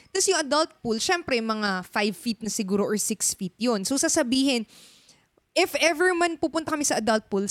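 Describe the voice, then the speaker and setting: A woman's voice: high voice, fairly bright tone, no echo. A young woman with a Filipino accent, telling a story in casual chat and mixing in English words.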